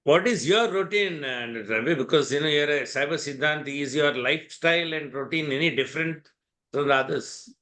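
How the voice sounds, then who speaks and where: A man's voice: fairly high pitch, pushed and bright. Polite man hosting an online talk. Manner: polite, halting. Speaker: co-host. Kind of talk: polite questions on an online call.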